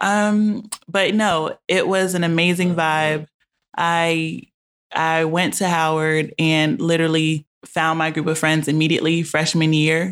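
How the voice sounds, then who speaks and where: A woman with an American accent speaks at a fairly slow pace in a fairly low pitch, using an ordinary speaking voice with fairly even intonation and very even loudness. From Maryland, US. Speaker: entrepreneur. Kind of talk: casual chat.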